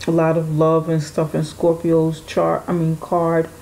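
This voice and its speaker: Slow, mellow-voiced woman tarot reader. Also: low-pitched, monotone, rough recording. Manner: musing, talks to spirit and viewer, laughs often. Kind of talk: intuitive tarot reading.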